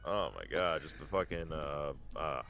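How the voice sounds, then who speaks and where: A podcast co-host rambles enthusiastically in a casual fan chat about games and cartoons. His voice is extremely low-pitched yet fairly bright in tone, and he speaks at a measured pace.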